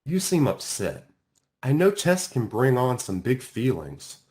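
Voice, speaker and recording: A man voicing a caring, attentive woman schoolteacher in a storybook, giving instructions with gentle concern. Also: mid-range voice, big pitch swings, unhurried.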